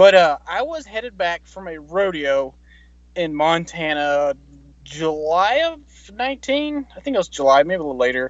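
Speaking at a moderate pace with an American accent, a man has a high pitch. His pitch swings very widely, and his loudness swings a lot too. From Mississippi, US South. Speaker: cowboy and former rodeo rider. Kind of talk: casual chat.

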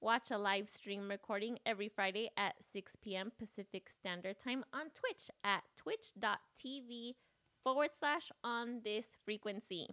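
The tone is bright and sharp, with a Spanish accent and a very slow pace. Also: woman, fairly high pitch for a woman, ordinary pitch variation. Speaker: podcast host. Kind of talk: casual chat; scripted outro. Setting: studio, livestreamed on video.

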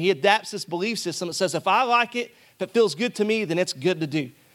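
This man talks in a Southern US accent. His high-pitched voice shows ordinary pitch variation. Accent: Southern drawl. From Arkansas. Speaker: pastor. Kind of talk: sermon.

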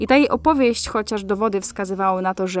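This is a very clean recording with a silent background of a woman at medium pitch with ordinary pitch variation. She has a plain, everyday voice. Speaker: true crime podcast host. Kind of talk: scripted narration.

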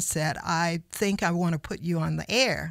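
A woman with an American accent speaks at a fairly low pitch with ordinary pitch variation on a very clean recording with a silent background. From Oklahoma City. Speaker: retired broadcast journalist. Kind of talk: interview. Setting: studio.

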